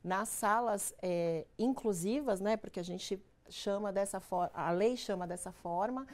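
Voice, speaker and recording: A woman's voice: mid-range voice, a little slow, darkish tone. A woman with a Brazilian Portuguese accent, a legal specialist guest on a talk show, explaining formally.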